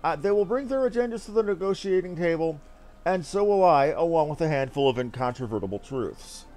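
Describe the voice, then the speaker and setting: A man's voice: a little high, lively intonation, brisk, a little mellow, faint music behind, lightly acted. A man voicing an earnest, self-assured young noble diplomat from a fantasy game, speaking in formal, archaic and declamatory language. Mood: confident, measured. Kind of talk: theatrical read-aloud of fantasy game dialogue.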